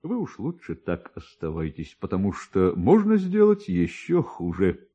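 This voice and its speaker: A man's voice: low-pitched, wildly swooping pitch, measured pace, warm tone, breathy edge, highs cut off, pitched below the performer's own voice, heavily acted. A man voicing a dignified, self-important doctor with a courteous, unctuous, persuasive manner, in a classic radio drama. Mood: dismissive.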